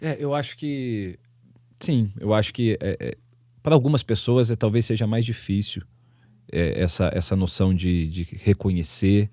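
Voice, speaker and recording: Brief: Brazilian man, church podcast host, mellow mid voice, calm and reflective, dry close mic. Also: lowish voice, moderate pace, dry recording. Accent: Brazilian Portuguese. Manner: calm, reflective, frequent soft backchannels. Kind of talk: casual podcast conversation.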